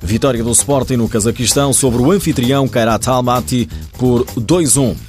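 A man's voice: mid-range voice, fairly even intonation, moderate pace, a little mellow. A man with a European Portuguese accent reading a scripted sports news report as a radio reporter, over a music bed.

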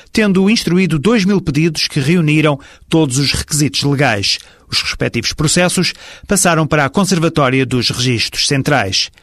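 A man reading a scripted radio segment as presenter, in a steady, measured way. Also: fairly high pitch, no room sound.

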